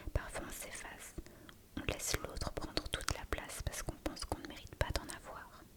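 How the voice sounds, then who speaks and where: Whispering in a gentle, soothing tone at a moderate pace, the voice comes through noticeable background noise. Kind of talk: ASMR whispered talk. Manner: whispered.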